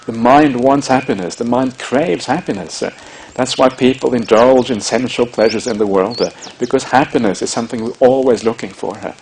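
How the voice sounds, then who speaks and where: A man with a Norwegian accent giving a measured, explanatory Buddhist dharma talk, with frequent hesitations. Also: mid-range voice, a little mellow, a little hiss or hum. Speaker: Buddhist monk teacher.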